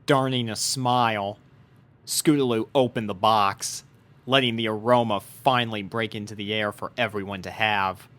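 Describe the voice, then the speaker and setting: A man's voice: on the low side, fairly even intonation, moderate pace, a bit bright. A man reading a fan fiction story aloud as its narrator, in scripted storybook narration. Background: background music.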